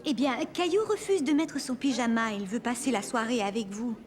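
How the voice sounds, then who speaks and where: A woman's voice: a little high, moderate pace, natural voice. A woman playing a friendly, coaxing young babysitter in a children's cartoon. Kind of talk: French-language children's cartoon dialogue.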